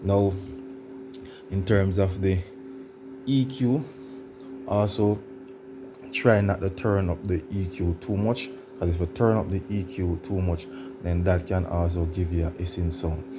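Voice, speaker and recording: A man presenting an informal how-to demonstration, explaining in a halting, repetitive way and addressing viewers directly. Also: low voice, steady tone, music in the background. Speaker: tutorial presenter.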